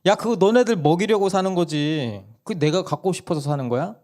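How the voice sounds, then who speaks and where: A man's voice: high voice, a little fast, pitched above the performer's own voice, close to an everyday voice. A man voicing his wife as a curt, firm mother who refuses to buy presents. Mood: blunt, firm. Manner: curt, firm, sharp retorts. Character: blunt no-nonsense mother refusing gifts.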